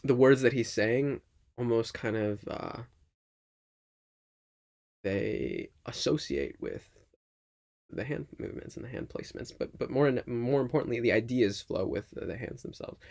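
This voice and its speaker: A man talking casually to his audience in a reflective, halting monologue, often checking in with a questioning tag. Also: medium pitch, gravelly, darkish tone. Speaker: vlog host.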